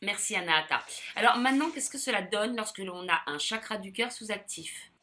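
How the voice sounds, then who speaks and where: A woman's voice: mid-range voice, lively intonation, brisk, sharp tone. A woman playing a polite but dry, slightly skeptical interviewer in a comic sketch. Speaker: comedy YouTuber playing interviewer. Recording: roomy echo.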